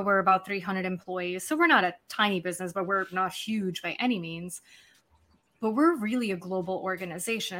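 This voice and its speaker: A woman in her forties, originally from Serbia, talking casually about workplace culture as a podcast guest, animated and quick to laugh, with lots of fillers. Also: medium pitch. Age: 40s. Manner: animated storyteller, laughs easily, many fillers. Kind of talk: conversational business talk.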